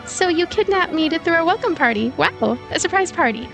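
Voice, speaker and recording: A woman's voice: very high-pitched, animated, fairly quick, vocal fry, pitched above the performer's own voice, exaggerated voice. A woman voicing a polite, cheerful young ghost girl in a visual novel game. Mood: pleasant, curious. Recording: music behind the voice.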